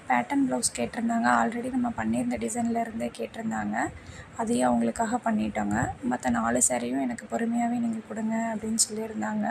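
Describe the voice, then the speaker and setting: A woman narrating a vlog voice-over in a polite, explanatory way. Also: a little high. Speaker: small-business designer, vlogger. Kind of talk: scripted-sounding vlog voice-over. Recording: clearly noisy home-made recording.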